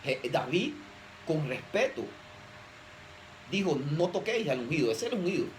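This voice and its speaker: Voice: mid-range voice, big pitch swings, normal speed, a little hiss or hum, rough recording. A preacher giving an emphatic sermon, often posing rhetorical questions to the audience.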